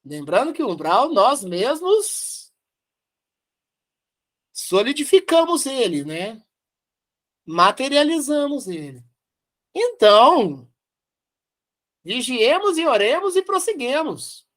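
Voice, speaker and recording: A woman with a Brazilian Portuguese accent presents a Spiritist study, speaking slowly and deliberately. Her fairly high voice rises and falls a great deal as she repeats key phrases for emphasis and poses rhetorical questions. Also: very animated. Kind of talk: devotional study commentary.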